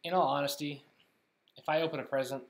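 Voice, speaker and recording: A man's voice: a little high, steady tone, fast. Easygoing man in a roomy echo. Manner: rambling, easygoing, jokey. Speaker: live stream co-host. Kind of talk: casual live-stream chat.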